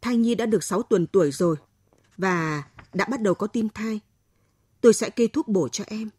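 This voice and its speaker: A woman reading a story aloud, voicing a brisk, nosy middle-aged female doctor with an offhand manner. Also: medium pitch, a little mellow, husky, no echo, clean studio sound, lightly acted. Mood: brisk, mocking.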